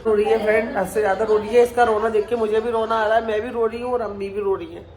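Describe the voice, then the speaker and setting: A woman's voice: on the high side, steady tone, darkish tone, roomy sound, a little hiss or hum. Worried young woman vlogging at home. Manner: worried, talks fast in short bursts to camera. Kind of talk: casual vlog chat.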